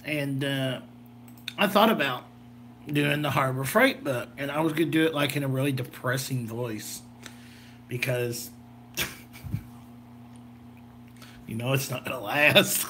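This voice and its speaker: A man's voice: mid-range voice, unhurried, long pauses, pushed and bright, a little hiss or hum. A slightly tired American man rambling casually through a homemade vlog in a folksy, jokey way. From southern Illinois, United States. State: a little tired. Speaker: gadget video host.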